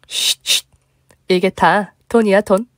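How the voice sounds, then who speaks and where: Storybook role: a performer as a vain, penny-pinching woman near fifty, shrill when caught, dry recording. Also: expressive, a little fast, no room sound, natural voice. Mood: scheming. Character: vain, stingy, shameless woman in her late forties.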